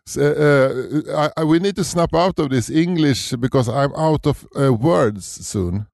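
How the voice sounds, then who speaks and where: A Swedish man co-hosting a podcast, halting with fillers and laughing often. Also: on the high side, creaky, darkish tone, no echo, clean studio sound. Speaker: podcast co-host. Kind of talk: casual comedic chat.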